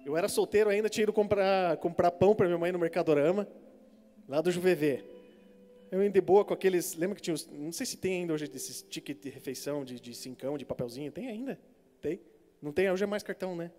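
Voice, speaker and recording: A young man from preaching a sermon to a congregation, telling stories animatedly and acting out the voices, swinging between loud exhortation and hushed asides. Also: high-pitched, fast. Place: church hall. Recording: reverberant church hall with faint music.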